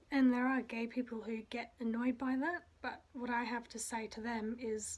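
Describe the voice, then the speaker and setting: A woman talks at a fairly slow pace. Her pitch is fairly high. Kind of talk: casual talk to camera.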